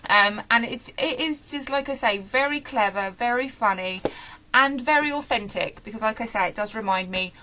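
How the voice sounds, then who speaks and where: Higher-pitched British woman, chatty and unscripted. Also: pushed and bright, a little hiss or hum. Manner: chatty, thinking aloud with frequent pauses and self-corrections. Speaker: book reviewer. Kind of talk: casual, unscripted video book review.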